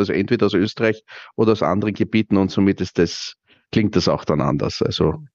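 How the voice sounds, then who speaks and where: In an Austrian accent, a man with a fairly low voice speaks at a fairly quick pace with ordinary pitch variation. The background is quiet and the sound is dry and close, with no echo. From Lower Austria. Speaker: historian. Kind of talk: interview.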